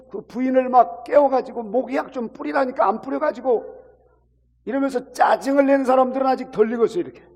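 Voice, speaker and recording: A man's voice: very high voice, darkish tone, in a large hall. A man preaching a sermon to a congregation, illustrating his points with acted-out everyday examples. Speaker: pastor.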